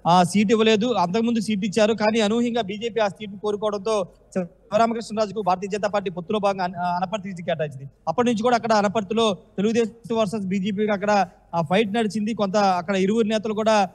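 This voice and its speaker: A man's voice: sits high, fairly even intonation, fast. A man giving a live political news report in a repetitive, run-on explanatory way. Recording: long hall-like reverb.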